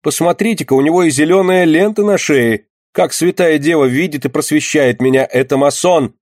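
A man voicing a sharp-tongued, pious young townswoman who scolds and accuses in a shrill way. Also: fairly quick, no echo, studio quality, lightly acted. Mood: furious.

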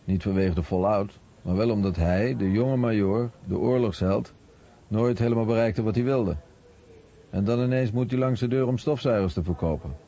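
Guy doing a translated voiceover for radio doc, mellow, bit muffled. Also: lowish voice, normal speed. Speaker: voice-over translator. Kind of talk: scripted documentary voice-over.

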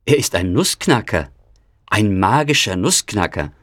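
A man voicing a kindly, mysterious old uncle who speaks gently and soothingly. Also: fairly low pitch, big pitch swings, measured pace, no echo, studio quality, pitched below the performer's own voice, full character voice.

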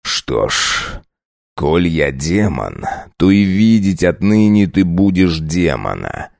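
A man's voice: deep voice, big pitch swings, gravelly, a little mellow, no echo, clean studio sound, full character voice. A man playing a cold vampire count. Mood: menacing. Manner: slow, clipped and hissing.

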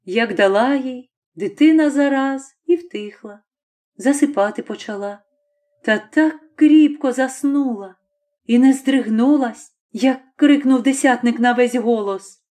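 Brief: female audiobook reader, high pitch, slow and mournful delivery. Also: dark tone. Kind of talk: scripted narration of a classic story.

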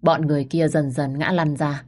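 A woman narrating a story in the first person, expressive and acting out the dialogue. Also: sits low, normal speed.

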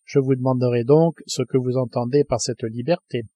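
A man's voice: mid-range voice, fairly even intonation, moderate pace, mellow, natural voice. A man reading the lines of an earnest, indignant male scientist held captive, in an audiobook.

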